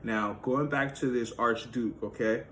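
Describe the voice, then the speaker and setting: A man's voice: medium pitch, a little slow, a bit bright, a little hiss or hum. A man talking through history in a loose, casual monologue, full of "like" and "you know" fillers. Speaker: history video host.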